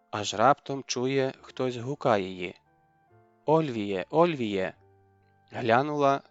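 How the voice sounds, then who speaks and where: A man reading a historical novel as an audiobook narrator, in steady, even storytelling. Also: medium pitch, no echo, dull audio. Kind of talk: scripted narration.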